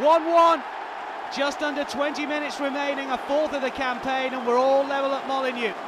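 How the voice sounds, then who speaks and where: With crowd noise in the background, a man with a British accent speaks at a moderate pace in an extremely high pitch, his tone animated. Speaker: football commentator. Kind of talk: live football commentary. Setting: stadium broadcast commentary. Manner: animated, excitable.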